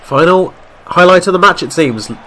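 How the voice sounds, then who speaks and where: A man with a stuffy nose from a cold, calling football game highlights as play-by-play commentary and getting excited at near misses. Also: moderate pace, heavy background noise. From Wales. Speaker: gaming YouTuber.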